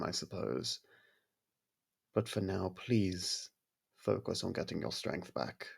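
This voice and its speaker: A man voicing a very gravelly, low, courteous vampire lord. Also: heavily acted. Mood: intrigued, possessive. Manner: formal, measured, softly commanding. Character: courteous, possessive vampire manor lord softening toward a human. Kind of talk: ASMR roleplay acting.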